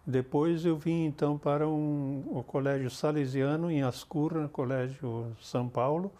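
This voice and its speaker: An older man with a southern Brazilian accent talks as an interview guest. His voice is mellow and slightly high for a man. He explains and recollects in a measured, conversational manner. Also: fairly even intonation. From Santa Catarina, southern Brazil. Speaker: interview guest, retired army colonel.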